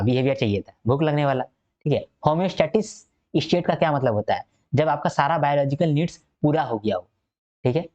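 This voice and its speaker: A man's voice: a little high, a little mellow, lo-fi sound. A male teacher giving a recorded exam-prep lecture. He explains step by step, repeats key points and keeps checking that listeners follow.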